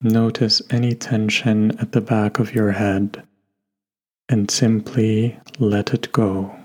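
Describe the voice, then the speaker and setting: A man guiding a meditation in a gentle, unhurried way, leaving long pauses between instructions. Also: on the low side, level tone, husky. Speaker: meditation guide. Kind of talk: guided meditation narration. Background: soft background music.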